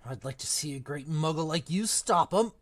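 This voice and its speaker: A man playing a big gruff, emotional giant in an audiobook, with rustic colloquial speech and dropped consonants. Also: fairly high pitch, lively intonation, moderate pace, no room sound. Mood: scornful. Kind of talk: audiobook character acting.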